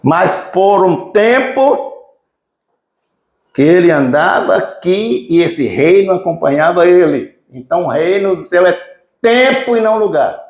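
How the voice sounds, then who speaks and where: A male preacher with a Mineiro Brazilian accent delivers a teaching sermon, stressing key points and checking with his listeners. His voice sits rather high for a man. The sound carries the echo of a church room. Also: animated, measured pace, a little mellow. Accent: Mineiro Brazilian Portuguese. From Minas Gerais, Brazil. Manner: emphatic teaching, asks the congregation questions. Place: church sanctuary.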